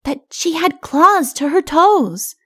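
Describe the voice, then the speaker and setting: A woman's voice: very high-pitched, very animated, slow pace, sharp tone, voice pushed up, heavily acted. A woman voicing a small, innocent child in a storybook, anxious and trusting, with an earnest, pleading way of talking. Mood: earnest wonder.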